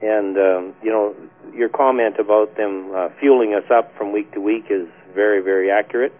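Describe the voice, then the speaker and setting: Calling in for a casual chat on a webcast, the same Canadian man speaks at normal speed in a lowish, steady voice. The phone-line sound is tinny, and he's hesitant, with frequent laughter.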